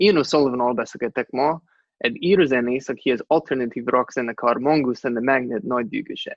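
At a moderate pace, a man with fairly high pitch speaks in a dry, close sound with no echo. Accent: English. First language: English (speaking Hungarian). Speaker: podcast host. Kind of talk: casual interview in second language. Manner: halting, many fillers and repetitions.

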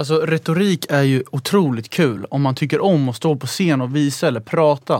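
Hardly pausing, a man talks at a moderate pace in a fairly high voice with ordinary pitch variation, a plain, everyday voice. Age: 20s. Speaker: podcast host. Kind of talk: interview. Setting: studio.

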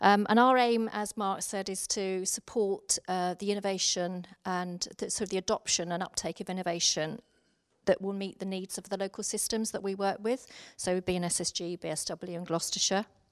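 In a very clean recording with a silent background and a dry, close sound with no echo, a woman with a normal speaking voice talks at a fairly quick pace in a medium pitch. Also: fairly even intonation. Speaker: health network chief executive introducing speaker. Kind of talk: welcome and speaker introduction. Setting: live event on stage with audience.

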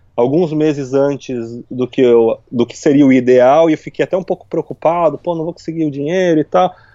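A man with a plain, everyday voice talks at a moderate pace with hardly any pauses. His pitch is fairly high and his intonation fairly even. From Brazil, São Paulo. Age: 30s. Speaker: journalist and touring cyclist. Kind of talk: casual interview.

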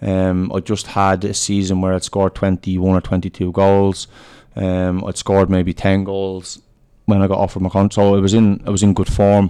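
Against a quiet background, a man with a Dublin accent speaks at a moderate pace in a very deep, low pitch, his tone dark and mellow and his intonation monotone and flat. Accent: Dublin Irish. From Ireland, Dublin. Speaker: football coach, former player. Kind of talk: interview.

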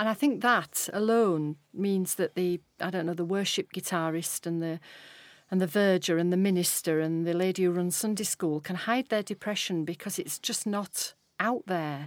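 In a dry, close sound with no echo and a very clean recording over a silent background, a woman uses a normal speaking voice at medium pitch, with ordinary pitch variation and a moderate pace. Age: 50s. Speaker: mental health nurse. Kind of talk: radio panel discussion.

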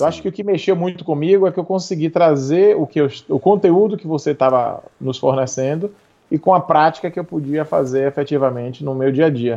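A man talks with a dark, mellow tone. His pitch is fairly high, with ordinary variation. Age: 40s. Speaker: course student. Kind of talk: casual interview.

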